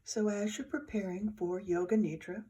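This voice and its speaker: A woman teaching yoga nidra, giving soft, soothing guided meditation instructions in short phrases with pauses. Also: medium pitch, fairly even intonation.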